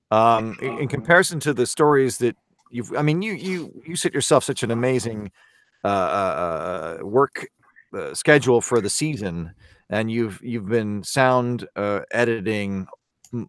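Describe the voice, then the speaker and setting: A man hosting a podcast, chatting casually and haltingly with many restarts. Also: medium pitch, no echo. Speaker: podcast host. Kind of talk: casual chat on a video call.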